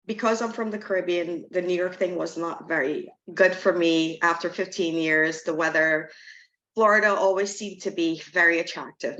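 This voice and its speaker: Middle aged woman from trinidad, low voice, interview guest just talking straight about her career. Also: bright, forceful tone, muffled recording. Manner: frank, plainspoken. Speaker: interview guest, real estate agent. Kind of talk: conversational interview storytelling.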